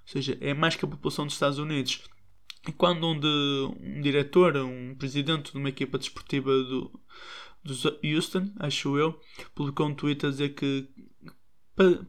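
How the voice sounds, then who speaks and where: A man's voice: a little high, a bit bright, clear, resonant tone. A young man with a European Portuguese accent talking in a casual commentary to his listeners, hesitant, with many restarts and fillers.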